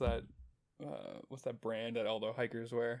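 With a Canadian accent and a normal speaking voice, a man talks at a moderate pace and a medium pitch. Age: 30s. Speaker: podcast host. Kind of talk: casual chat.

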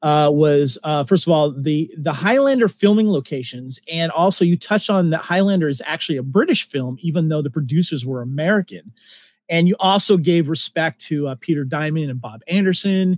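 An ordinary speaking voice from a man, fairly high in pitch with ordinary pitch variation, comes through a very clean recording with a silent background and a dry, close sound with no echo. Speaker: podcast host. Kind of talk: casual chat.

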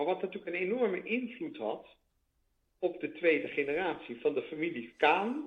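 A man speaks at a fairly slow pace with very wide pitch swings. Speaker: entrepreneur and author. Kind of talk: interview. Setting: phone call. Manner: halting.

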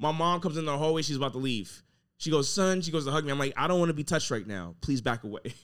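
At a very fast pace, a man talks with lively intonation and a fairly high pitch. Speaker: comedian. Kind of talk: casual chat.

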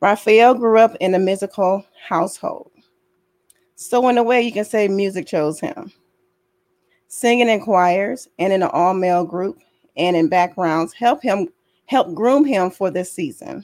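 A woman speaks at a fairly slow pace and medium pitch, with long, frequent pauses and ordinary pitch variation. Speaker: podcast host. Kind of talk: scripted introduction; casual chat.

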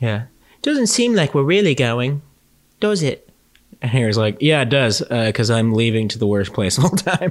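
A man with an American accent talks at a moderate pace in a normal speaking voice of medium pitch. His intonation is lively, and the recording is very clean with a silent background. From United States. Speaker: podcast co-host. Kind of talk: casual chat.

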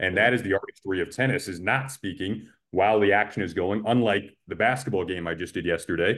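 An American accent at a fairly quick pace with ordinary pitch variation. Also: man. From Detroit area, US Midwest. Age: young. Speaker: sports play-by-play broadcaster. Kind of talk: casual interview chat.

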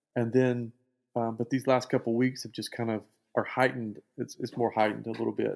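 In a Southern US accent, a man talks at a fairly quick pace with medium pitch. His intonation stays monotone and flat. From US South, Arkansas and northern Louisiana. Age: 50s. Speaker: former student pastor and worship leader. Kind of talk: podcast interview, personal testimony.

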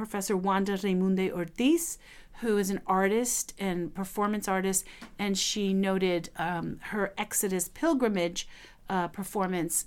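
On a very clean recording with a silent background, a woman with a plain, everyday voice speaks at medium pitch with fairly even intonation. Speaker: professor. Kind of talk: interview. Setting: live event venue.

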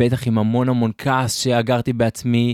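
A man's medium-pitched voice with a dark, mellow tone at a fairly slow pace, dry and close with no echo, in a very clean recording over a silent background. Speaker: podcast host. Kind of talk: casual chat.

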